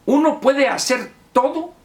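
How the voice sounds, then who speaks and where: A man's voice: very high voice, expressive, measured pace. A man with a Mexican accent giving a lecturing monologue of commentary, posing rhetorical questions to the viewer. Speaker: political commentator.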